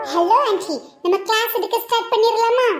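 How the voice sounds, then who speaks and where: A woman performs a cartoonish character voice. It is squeaky and extremely high in pitch. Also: moderate pace. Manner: mixing English and Tamil.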